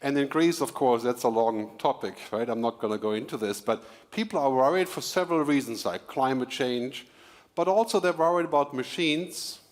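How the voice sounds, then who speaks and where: A middle-aged man from Germany, giving a quick, energetic keynote to a live audience with small laughs and asides. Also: mid-range voice. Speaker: keynote speaker.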